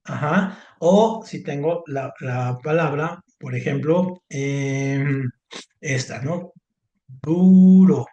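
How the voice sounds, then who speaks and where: A man tutoring a student, explaining step by step, repeating words and filling pauses with little affirmations. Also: a little high, a little mellow, highs cut off. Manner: patient, explains step by step, repeats words, frequent "ajá" and "ujú". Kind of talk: online Spanish grammar lesson. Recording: roomy echo.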